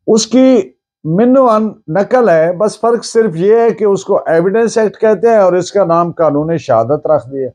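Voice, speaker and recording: A man with a Pakistani accent giving an explanatory law lecture in a deliberate way, repeating for emphasis and mixing in English terms. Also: high-pitched, mellow.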